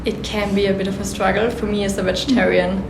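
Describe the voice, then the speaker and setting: A woman's voice: mid-range voice, little pitch movement, fast, vocal fry, background noise. Austrian-raised woman in her twenties, echoey. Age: 20s. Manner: hesitant, many ums and likes. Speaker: exchange student. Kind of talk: casual interview answers.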